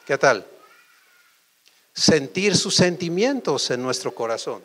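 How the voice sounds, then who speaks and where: A man preaching a sermon, asking the congregation quick questions. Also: a little high. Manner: animated, quizzes the audience with quick questions.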